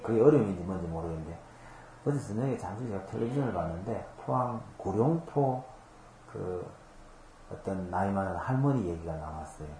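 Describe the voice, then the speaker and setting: Lively, low-voiced pastor preaching. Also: male voice, fairly quick, reverberant, slight background noise. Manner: explains patiently, with homely examples and rhetorical questions. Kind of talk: conversational Bible-teaching sermon.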